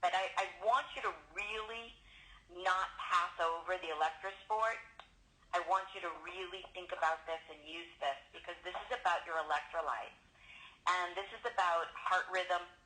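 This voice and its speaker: A woman with a fairly low pitch speaks at a moderate pace with ordinary pitch variation and big swings in loudness over noticeable background noise. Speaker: doctor giving product talk. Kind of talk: product presentation on team call.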